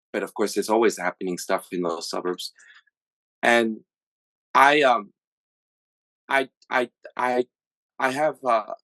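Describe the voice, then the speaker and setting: A man from the USA hosting a podcast, talking through his thoughts in a halting, casual way with many restarts. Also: medium pitch, a bit bright, dry recording, low-quality recording. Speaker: podcast host. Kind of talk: casual reflective monologue.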